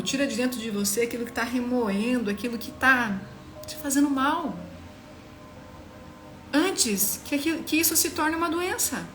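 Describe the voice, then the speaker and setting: A woman's voice: fairly high pitch, fairly bright tone. Earnest Brazilian woman teaching scripture. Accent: Brazilian Portuguese. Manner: earnest, emphatic, coaching the listener directly. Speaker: Bible devotional teacher. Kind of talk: devotional teaching talk.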